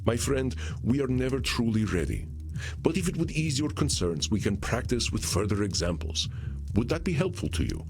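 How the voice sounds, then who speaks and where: An actor playing an ancient, powerful vampire mentor in a video game, solemn and kindly, with formal, measured, eloquent phrasing. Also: male voice, medium pitch, big pitch swings, vocal fry, noisy background. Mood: reassuring. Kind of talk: visual novel game voice acting. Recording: music playing behind the voice.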